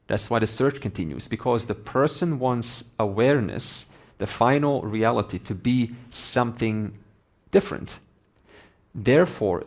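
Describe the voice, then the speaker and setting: A man giving a slow, deliberate spiritual lecture, explaining ideas with Sanskrit terms. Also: lowish voice. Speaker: Vedanta teacher.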